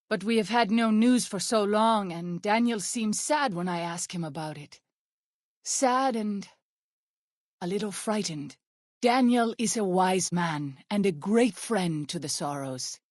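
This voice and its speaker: An actress playing an earnest, devout tribal midwife and healer in a video game, speaking in formal, measured, reverent phrases. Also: female voice, medium pitch, no room sound, studio quality. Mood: earnest, concerned. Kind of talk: video game character dialogue.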